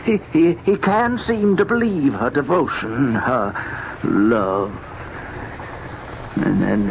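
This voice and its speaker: Haunted, jealous husband, radio ghost drama: slow, halting, wildly swinging pitch, from hushed to frantic. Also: male voice. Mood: brooding, halting. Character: tormented, jealous husband confessing a murder, haunted and possessed. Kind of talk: old-time radio dramatic monologue, ghost story. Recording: noisy, dull old-time radio recording.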